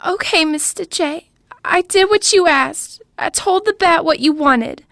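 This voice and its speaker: A woman's voice: extremely high pitch, unhurried, gravelly, fairly bright tone, slight background noise, exaggerated voice. An actress playing a girlish, lovesick but cheeky young villain sidekick in an audio drama, in a cutesy manner. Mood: anxious.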